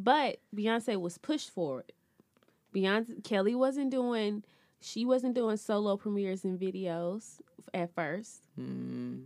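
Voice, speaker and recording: At a very slow pace, a woman speaks with an American accent in a medium pitch and ordinary pitch variation. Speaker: podcast co-host. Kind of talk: casual chat.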